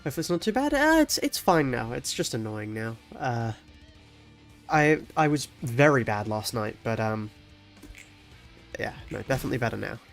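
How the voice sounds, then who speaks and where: Stuffy-nosed man streaming quietly with a cold. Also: sing-song, moderate pace, gravelly, faint music behind. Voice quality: nasal. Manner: low-energy, quiet, chuckling, swears at the game. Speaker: game streamer. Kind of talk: casual live-stream chat while playing.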